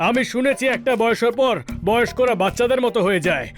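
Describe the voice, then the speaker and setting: A man voicing an excitable young know-it-all in a cartoon dub, explaining things pompously. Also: very high voice, quick pace, soft background music.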